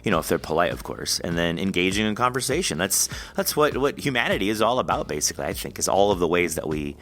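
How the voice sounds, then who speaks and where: Male podcast host, low pitch, crisp bright delivery, rambling friendly chat. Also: sing-song, quick pace, a little hiss or hum. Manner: friendly, rambling, laughs often. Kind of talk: casual interview chat.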